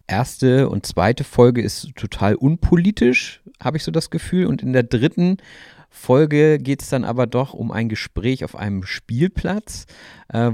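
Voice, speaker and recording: A man's voice: medium pitch, a little mellow, no echo, clean studio sound. A young man hosting a podcast interview, asking questions in a friendly, inquiring way. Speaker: podcast host.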